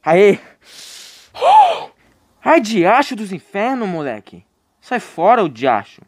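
High-pitched and very animated yet a little slow, this young adult man speaks in a studio-quality recording without echo. He streams a horror game live with a Brazilian Portuguese accent, joking with his chat and yelping in panic when frightened.

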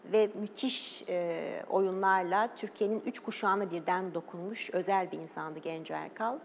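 A woman's voice: fairly low pitch, fairly even intonation, normal speed. TV guest, woman, earnest, hesitant fillers, long studio reverb, faint hiss. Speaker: guest, journalist and documentary maker. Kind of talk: TV interview talk.

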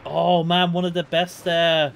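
A man's voice: fairly high pitch, flat delivery, unhurried, creaky, slight background noise. An eighteen-year-old man giving casual, playful live commentary as he speedruns a video game.

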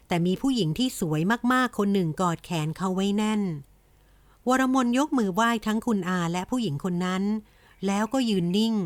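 A woman narrating a romance audiobook in an even, gentle storytelling manner. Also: medium pitch, no room sound. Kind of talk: scripted romance novel narration.

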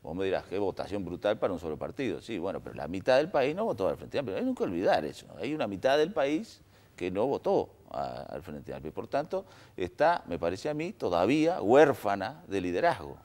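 A Uruguayan man speaking as a political analyst on a panel, in a measured way with hesitant fillers. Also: fairly low pitch, wildly swooping pitch, darkish tone. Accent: Uruguayan Spanish. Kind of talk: panel discussion.

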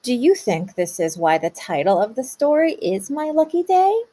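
A woman teacher pausing a read-aloud to ask young children patient questions about the story. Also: medium pitch, sing-song, warm tone. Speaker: kindergarten teacher.

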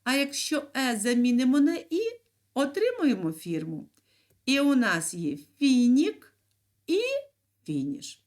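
A woman teaching young children in a video lesson, speaking clearly and encouragingly with sing-song emphasis. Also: high-pitched, sing-song, a little slow, pauses often, darkish tone. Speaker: primary school teacher.

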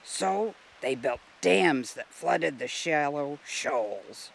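Man as creaky, grumbly old-river mussel. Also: a little high, expressive, extremely slow, a little hiss or hum, full character voice. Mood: explaining. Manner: emphatic, explanatory. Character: grumbly, knowledgeable male river mussel, nostalgic. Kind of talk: children's storybook dialogue.

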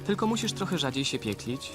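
An actor playing a frank, friendly male character in an animated film, hesitant but blunt. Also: medium pitch, brisk, natural voice. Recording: film dialogue over music.

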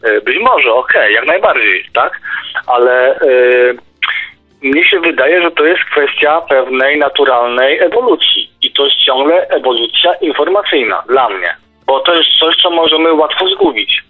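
A man's voice: medium pitch, animated, unhurried. Insistent man on a tinny phone line. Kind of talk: casual debate. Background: music.

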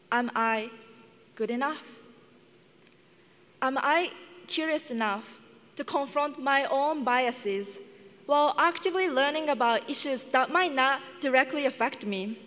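A young woman from Japan giving an earnest, measured commencement speech on a headset mic. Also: high voice, fairly bright tone. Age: young adult. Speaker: student class speaker. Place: large indoor arena stage. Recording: long arena reverb.

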